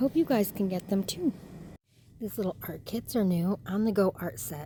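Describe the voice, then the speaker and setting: A woman speaks quietly at a moderate pace and medium pitch, with a dark, mellow tone. Her voice is somewhat breathy, and her pitch swings very widely. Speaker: shopping vlogger. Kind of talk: shop-with-me vlog. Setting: inside a store. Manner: quiet, hushed.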